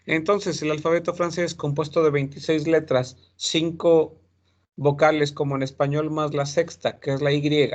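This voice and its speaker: A man teaching French pronunciation to Spanish speakers, slowly and patiently repeating each sound for his students. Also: on the high side, level tone. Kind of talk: recorded class lesson.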